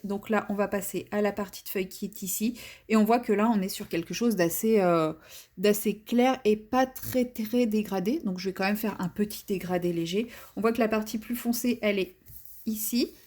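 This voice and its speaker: At a moderate pace, a woman with a mid-range, darkish voice gives relaxed color-along commentary on her channel. She wanders from thought to thought, makes fun of herself, and fills the talk with fillers and restarts.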